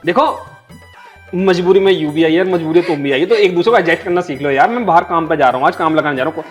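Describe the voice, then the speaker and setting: A man playing a village husband in a comedy sketch, speaking, pleading and excitable, often rising to shouts. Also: on the high side, fast, faint music behind. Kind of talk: rural comedy sketch acting.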